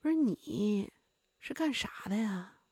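A woman's voice: medium pitch, lively intonation, slow pace, darkish tone, breathy edge, no room sound, studio quality. A woman playing a sneering cannibal woman. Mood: mocking. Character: sly cannibal woman, mocking and unhurried.

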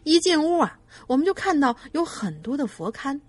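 A woman co-host reading a listener's ghost story aloud in an animated way, laughing now and then. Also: high-pitched, normal speed, no room sound. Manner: animated, laughs while reading, lively voices for quotes.

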